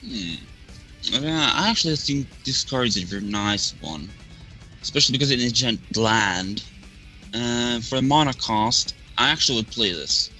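A man's voice: medium pitch, lively intonation, moderate pace, pushed and bright, soft background music, low-quality recording. A man appearing as a guest on a casual podcast, speaking hesitantly and often repeating "actually". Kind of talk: casual chat.

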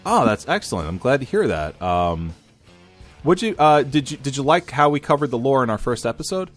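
A man hosting a casual podcast, energetic and talkative, often repeating himself with fillers. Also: medium pitch, brisk, faint music behind. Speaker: podcast host. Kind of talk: casual chat.

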